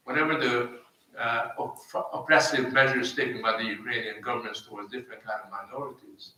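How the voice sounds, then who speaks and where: A man from Hungary, arguing as a panelist in deliberate phrases that often restart. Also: mid-range voice, bright, forceful tone. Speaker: panel speaker. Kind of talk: argumentative panel remarks. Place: live panel event in an echoey room. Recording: very echoey room, distant microphone.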